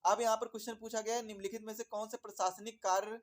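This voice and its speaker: A man's voice: sits high, little pitch movement, fast talker. A man teaching an exam prep lesson. He repeats his points, asks questions and answers them himself, and calls viewers "my dear brother".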